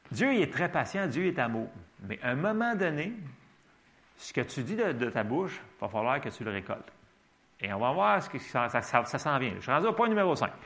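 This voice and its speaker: Animated Québécois preacher man. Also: on the high side, creaky. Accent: Québécois French. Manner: animated, emphatic, colloquial, throws in English words. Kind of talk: sermon.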